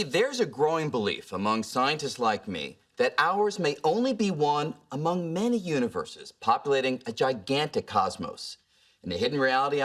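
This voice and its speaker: An actor playing an earnest scientist giving a simplified public lecture in a didactic, deliberate way. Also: male voice, medium pitch, fairly bright tone.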